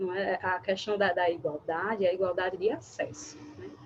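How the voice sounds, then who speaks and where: Through noticeable background noise, a woman speaks with a northeastern Brazilian accent. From Brazil, Northeast (Rio Grande do Norte). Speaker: lawyer. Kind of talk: webinar talk. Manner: fast.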